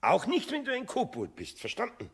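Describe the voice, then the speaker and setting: An actor playing a kindly middle-aged Bavarian carpenter in a radio play, muttering to himself and bursting into exclamations. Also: male voice, very high voice, wildly swooping pitch, moderate pace, fairly bright tone, slight background noise, exaggerated voice. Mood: scolding.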